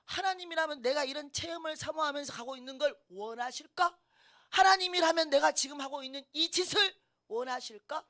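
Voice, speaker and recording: A middle-aged woman pastor preaching a sermon, swinging between loud emphatic lines and hushed ones, and acting out the voices she quotes. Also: high voice, brisk. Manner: emphatic preaching with sudden loud outbursts and drops to a hush; acts out quoted voices and laughs at her own stories.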